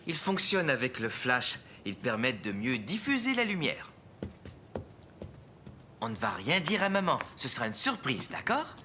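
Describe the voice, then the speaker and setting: A man voicing a patient, reassuring father in a French children's cartoon, speaking gently and expressively. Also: mid-range voice, huge pitch swings, moderate pace, slight background noise. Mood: upbeat.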